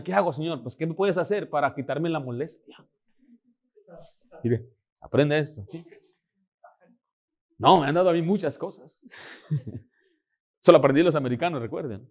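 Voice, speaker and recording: A male preacher, telling stories from the pulpit in an animated way. His voice sits a little high for a man, and he jumps between narration and acted-out exchanges. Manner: animated storytelling, acting out dialogue. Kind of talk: sermon with personal story.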